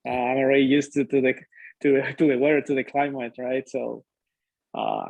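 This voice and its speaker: A man's voice: mid-range voice, animated, moderate pace, vocal fry, a little mellow, dry recording, muffled recording. A young man from Mexico with a Mexican Spanish accent, speaking as an upbeat interview guest who often ends his sentences with "right?". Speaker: interview guest, PhD student. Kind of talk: casual interview chat.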